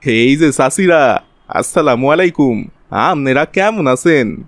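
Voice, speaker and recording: A man's voice: mid-range voice, animated, takes it slowly, dry recording. A man playing a scheming city profiteer in a cartoon, with a Bangladeshi accent and a wheedling, colloquial, exaggerated way of talking. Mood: ingratiating. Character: scheming city man, sly profiteer spreading virus panic. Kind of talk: Bengali cartoon voice acting.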